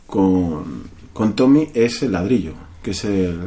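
A man's voice: low voice, expressive, slow, warm tone. Insistent man in casual film chat. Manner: insistent, swears casually, quotes lines. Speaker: podcast host discussing a film.

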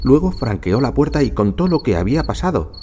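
A man narrating a story in an expressive, dramatic reading style. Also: medium pitch, brisk, background noise.

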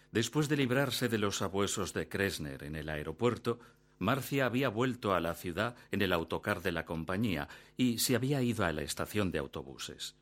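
A stoic ex-convict lover who tells his own story in a radio drama. The voice is low with lively, dramatic inflection, and the delivery is terse, guarded and defiant. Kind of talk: radio play narration and dialogue.

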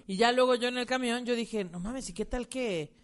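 A woman's voice: fairly high pitch, normal speed. A Mexican woman co-hosting a podcast in casual chat, playful and slangy, acting out bits of dialogue. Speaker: podcast co-host.

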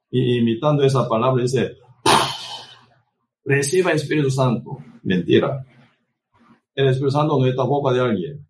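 A man's voice: mid-range voice, darkish tone. A man preaching a sermon who tags nearly every phrase with a questioning "right?", restarts words and cites scripture by chapter and verse. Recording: voice distant from the microphone.

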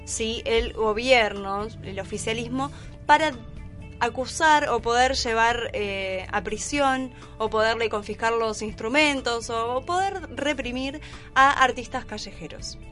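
An Argentine woman presents a radio talk show in a slightly high voice. She comments conversationally as host, with music playing softly behind her. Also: measured pace.

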